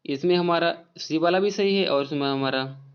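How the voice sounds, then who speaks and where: A man's voice: on the high side, normal speed, clean tone, lo-fi sound. A man teaching exam spelling questions, going over each option and spelling words out letter by letter.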